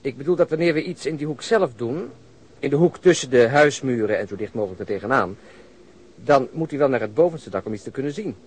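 A man's voice: medium pitch, animated, brisk, slightly rough. A man acting a commanding, probing senior policeman in a Dutch radio drama. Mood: decisive. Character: commanding senior policeman planning a rooftop operation.

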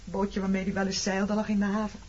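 An actress playing a defensive, grieving woman in a Dutch radio drama, speaking in a halting, emotional, pleading way. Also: medium pitch, completely flat delivery, a little mellow, slight background noise, lightly acted. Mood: sorrowful, searching. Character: defensive grieving woman, shunned for loving an enemy officer. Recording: dull lo-fi radio play recording.

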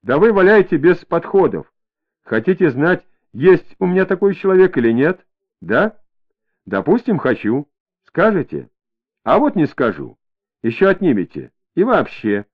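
A man's voice: a little high, big pitch swings, narrow, tinny audio, voice pushed up. A man reading an audiobook, voicing a brash, suspicious young woman who talks sharply and defiantly. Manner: sharp, defiant, quick to snap.

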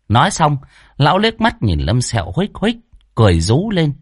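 A man narrating a ghost story in a lively, expressive way. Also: on the high side, no echo, studio quality.

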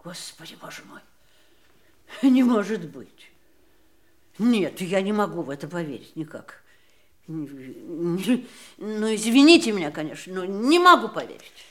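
A woman's voice: on the low side, sing-song, measured pace, pauses often. An actress playing a trusting, wounded, genteel woman in an audio drama, with a plaintive and exclamatory way of speaking. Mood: shocked, disbelieving. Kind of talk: theatrical audio drama dialogue.

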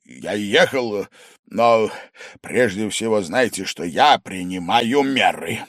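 A man doing a furious shouting gentleman. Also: on the low side, slow pace, no echo, clean studio sound. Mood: stern commanding. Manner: shouting, breathless.

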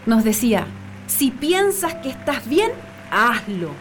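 A young woman acting in a radio drama as a daughter fondly remembering her folk-singer father, speaking in a gentle, reflective way. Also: fairly high pitch, very animated, takes it slowly. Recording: music playing under the voice. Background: music.

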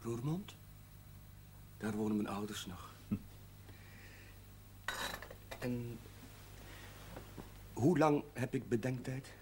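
An actor playing a reluctant, stubborn Catholic chaplain, giving short, evasive, hesitant replies in a television drama. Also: male voice, mid-range voice, very slow, pauses often, darkish tone. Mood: uneasy, hesitant. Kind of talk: naturalistic television drama dialogue. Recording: 1970s television sound with background noise.

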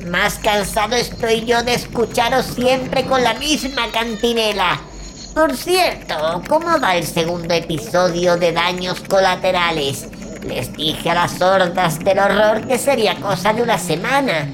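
A woman's voice: medium pitch, measured pace, noisy background, natural voice. A woman playing a scornful, bony old master of a crypt in a comedy horror audio drama, scolding theatrically.

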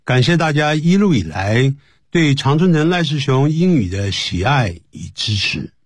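A man's voice: medium pitch, sing-song, normal speed, breathy edge, no echo. A middle-aged man teaching a radio English lesson, patiently repeating words over and over to drill pronunciation.

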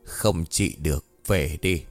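A man voicing a greedy, gruff male village sorcerer who speaks curtly and haggles dismissively. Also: mid-range voice, lively intonation, normal speed, no echo, soft background music, close to an everyday voice.

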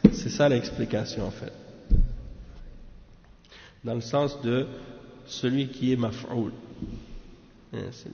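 A man giving a religious lesson, slowly explaining and repeating terms, often checking with his listeners. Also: medium pitch, fairly even intonation, gravelly, darkish tone. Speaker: religious teacher. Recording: roomy long reverb, dull lo-fi sound.

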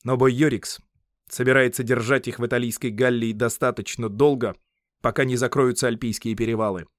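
A man reading an audiobook, voicing an eager Roman officer who explains at length in a lively, raised voice. The recording is dry. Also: mid-range voice, a little fast, no echo, close to an everyday voice.

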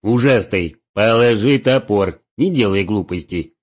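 A man's voice: fairly low pitch, expressive, measured pace, husky. A man voicing a blunt, wry male adventurer who teases his companion. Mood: scolding. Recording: dull lo-fi recording.

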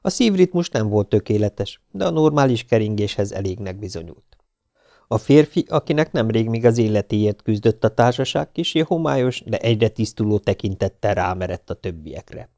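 A man reading an audiobook in an even, measured way. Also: on the low side, no room sound. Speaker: audiobook narrator. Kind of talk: audiobook narration.

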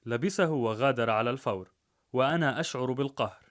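A man narrating a rhymed story in a measured, rhythmic way. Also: mid-range voice, a bit bright.

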